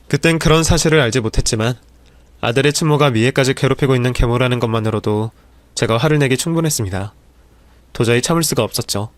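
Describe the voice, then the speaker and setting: A man narrating a dramatic story in a steady, even reading voice. His pitch sits in the middle for a man. The recording is dry and close, with no room sound. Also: dry recording.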